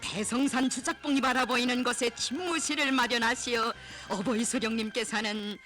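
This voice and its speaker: A man's voice: very high voice, fairly even intonation, moderate pace. A man with a North Korean accent reading scripted propaganda film narration in a reverent, solemn, emotive declaiming manner. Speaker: documentary narrator. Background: music.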